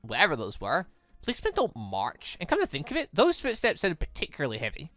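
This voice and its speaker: A man's voice: on the high side, wildly swooping pitch, quick pace, pushed and bright, faint music behind, exaggerated voice. A man voicing a queasy, bewildered, self-deprecating young male stranger in a visual novel. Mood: uneasy. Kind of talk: reading a visual novel aloud.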